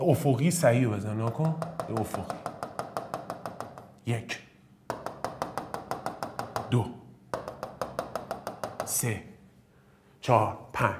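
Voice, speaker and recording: A man from Iran teaches a math lesson for exam preparation, cracking jokes and swinging between loud bursts and low muttering.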